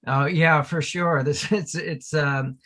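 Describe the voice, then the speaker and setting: A man speaking as a panelist in an informal discussion, halting and tentative, often repeating words as he searches for the next one. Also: a little high, fairly even intonation, a bit bright. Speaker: panelist, academic.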